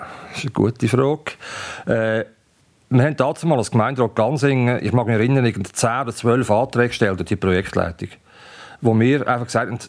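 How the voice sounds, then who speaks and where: At a fairly quick pace, a man talks in a plain, everyday voice at medium pitch with ordinary pitch variation. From Aargau, Switzerland. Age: 50s. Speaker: village mayor. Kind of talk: interview.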